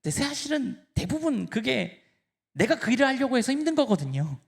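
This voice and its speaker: A man preaching a sermon as pastor, talking straight to the congregation and swinging between hushed and loud. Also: extremely high pitch, big pitch swings, a little fast, vocal fry. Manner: addresses the congregation directly.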